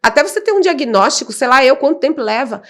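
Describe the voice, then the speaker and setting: A woman's voice: high-pitched, animated, fast talker. A Brazilian woman speaks in an outspoken, impassioned way as a podcast guest. She tells her story as a mother bluntly, with no filter. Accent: Brazilian Portuguese. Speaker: guest, mother of an autistic child. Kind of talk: emotional storytelling in a podcast interview.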